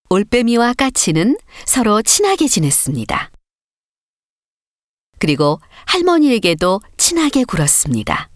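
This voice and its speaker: Expressive woman reading a storybook. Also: medium pitch, no echo, clean studio sound. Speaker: audiobook narrator. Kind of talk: scripted storybook narration for learner readers.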